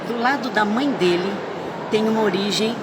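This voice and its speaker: A woman's voice: mid-range voice, moderate pace, heavy background noise. An older woman born in Italy and raised in Brazil, an author talking reflectively about her book in an interview at a book fair.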